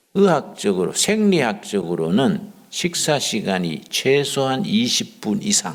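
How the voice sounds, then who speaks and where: A man speaking at a very slow pace with very wide pitch swings. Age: 70s. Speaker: pastor. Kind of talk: sermon.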